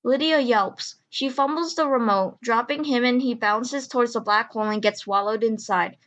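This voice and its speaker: A woman's voice: on the high side, moderate pace, fairly bright tone, highs cut off. A woman reading scripted story narration as the narrator of an audio drama.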